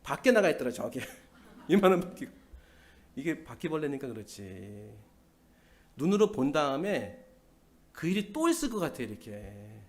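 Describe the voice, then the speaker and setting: Animated male pastor preaching. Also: mid-range voice, moderate pace, long pauses. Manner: animated preaching, swinging between loud bursts and quiet asides; asks the congregation questions and answers them himself. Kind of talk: sermon. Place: church sanctuary.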